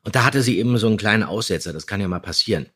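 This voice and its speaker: A man co-hosting a podcast, chatting casually in a slightly husky voice. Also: lowish voice, expressive, racing, fairly bright tone. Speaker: podcast co-host. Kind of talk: casual chat.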